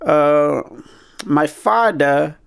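A middle-aged woman from Cameroon, a native French speaker with a Cameroonian French accent, telling her life story haltingly, searching for words. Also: low-pitched, lively intonation, vocal fry, smooth, no room sound, studio quality. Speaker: guest.

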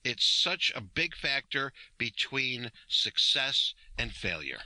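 Very bright, animated male podcast host. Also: mid-range voice, takes it slowly, no room sound, low-quality recording. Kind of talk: casual interview chat.

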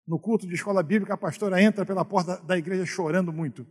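Man, Brazilian accent, pastor, sermon, higher-pitched voice, reverberant church hall, quiet asides and loud exhortation. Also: steady tone, fast talker, slightly rough. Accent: Brazilian Portuguese. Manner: storytelling preacher who swings from quiet asides to loud exhortation.

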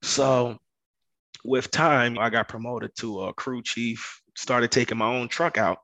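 A man's voice: mid-range voice, steady tone, slow pace, a bit bright, dry recording. A man from Ghana talking as a podcast guest, telling his story in an earnest, conversational way and repeating phrases for emphasis. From Ghana, West Africa. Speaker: podcast guest, construction business owner.

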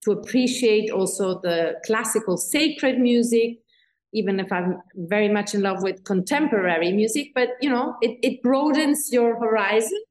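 A woman's voice: fairly high pitch, normal speed, darkish tone, reverberant. An Italian woman whose first language is German, speaking English with a German accent as a real estate agent giving an enthusiastic interview, with fillers and restarts. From Italy. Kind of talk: interview guest.

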